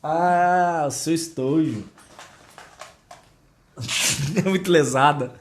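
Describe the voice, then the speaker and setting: A man preaching a devotional teaching, telling a story and addressing viewers directly in an animated way. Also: fairly high pitch, very slow, slight background noise.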